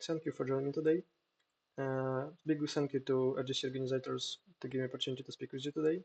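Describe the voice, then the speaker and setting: A man with a non-native accent and a fairly high voice, at a very fast pace. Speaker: game lead at a mobile game studio. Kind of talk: conference talk presentation. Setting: online event recording with some audio issues. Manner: hesitant, many filler sounds.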